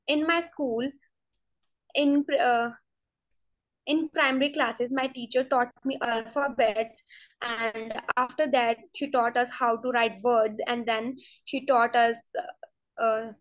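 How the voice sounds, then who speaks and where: Young woman, Punjabi native, exam candidate, hesitant, many fillers, slightly high, dull lo-fi call audio. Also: fairly even intonation, takes it slowly, long pauses, fairly bright tone. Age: student. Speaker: test candidate. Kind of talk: mock speaking exam answers. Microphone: video call.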